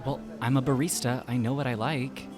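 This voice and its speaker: A man playing an expressive, chatty young barista and worrier in a naturalistic audio drama. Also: mid-range voice, a little fast, music in the background, close to an everyday voice. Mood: casual.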